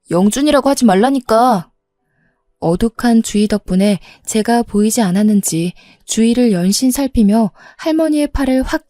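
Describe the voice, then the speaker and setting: A woman narrating a first-person story in a steady, confiding retelling. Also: medium pitch, no room sound, studio quality.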